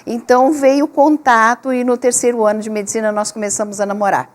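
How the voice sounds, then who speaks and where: An older woman, born in Portugal and raised in Rio, speaking as a doctor guest on a TV talk show in a measured, reflective way with pauses. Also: a little high, level tone. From Portugal, raised in Rio de Janeiro. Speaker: guest, gynecologist. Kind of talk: relaxed interview talk.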